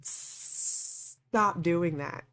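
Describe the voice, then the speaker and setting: A woman doing a let's play, reading a visual novel aloud and reacting with animated, exasperated casual asides. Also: on the low side, drawn-out words.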